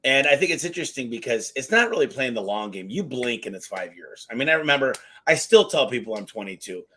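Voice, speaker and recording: Rambling energetic man hosting a podcast. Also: medium pitch, fast, slight background noise. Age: 30s. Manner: energetic, rambling, self-deprecating, casual slang. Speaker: podcast host. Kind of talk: casual podcast interview.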